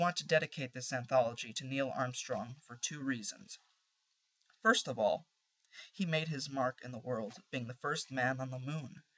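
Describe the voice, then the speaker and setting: At a moderate pace and with ordinary pitch variation, a man talks in a normal speaking voice. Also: medium pitch for a man. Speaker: poet and assistant magazine editor. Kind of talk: personal essay reading.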